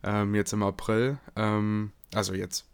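A man co-hosting a podcast in casual chat, cracking deadpan jokes and absurd asides. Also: fairly low pitch, measured pace, clear, resonant tone, no echo. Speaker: podcast co-host.

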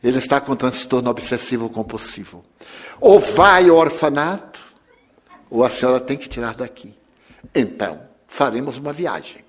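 A man voicing a male family doctor who speaks in a grave, measured way. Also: medium pitch, expressive, pitched below the performer's own voice, lightly acted. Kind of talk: storytelling with acted voices.

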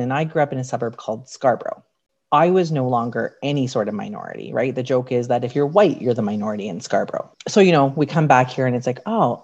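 A woman with a raspy, slightly deep voice, a podcast guest telling candid, reflective stories from her life in casual chat. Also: dark tone. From Canada. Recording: dull lo-fi sound.

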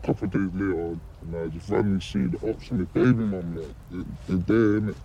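Man with a disguised deep voice. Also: fairly even intonation, a little fast, warm tone, dull audio, slight background noise. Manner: cocky, smug street talk. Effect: disguised voice, pitched down deep. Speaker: anonymous interviewee. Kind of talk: documentary interview.

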